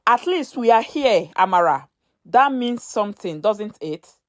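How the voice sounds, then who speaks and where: A woman's voice: medium pitch, lively intonation, a little slow, natural voice. A woman storyteller voicing a hopeful young immigrant woman, earnest and determined in her speech. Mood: gently hopeful.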